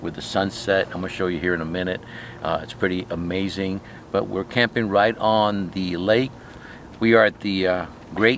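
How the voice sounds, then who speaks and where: Speech moves at a moderate pace with fairly even intonation and light background noise. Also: man, dry sound with no echo. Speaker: travel vlogger. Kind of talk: casual vlog chat. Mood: relaxed, pleased. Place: waterside. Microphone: phone near.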